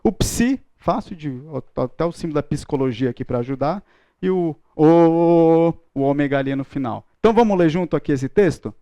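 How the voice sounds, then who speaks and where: A man with a Brazilian Portuguese accent teaches a Bible school class, joking with the room and leading everyone in chanting letters. His voice sits a little high and sounds smooth and clear. The recording is dry and close. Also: animated, fast talker, few pauses, mellow, no room sound, dull audio. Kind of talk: lively classroom lesson.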